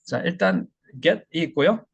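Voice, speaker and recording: Gravelly-voiced man teaching pronunciation. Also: on the high side, expressive, slow, highs cut off. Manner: explains step by step, models English words aloud. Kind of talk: online language lesson.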